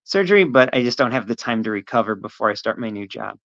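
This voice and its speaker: A trans woman speaking as a podcast guest, hesitant and soft-spoken with frequent ums. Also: extremely low pitch, lively intonation, quick pace, highs cut off. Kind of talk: casual podcast conversation.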